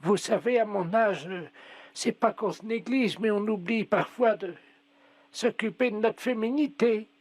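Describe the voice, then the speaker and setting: A man doing a pushy, muddled old woman making a prank phone call, her voice pitched very high. She keeps mishearing on purpose and chatters on in a mock-sweet way. The sound is dry and close, with no room echo. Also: unhurried, darkish tone. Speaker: prank caller.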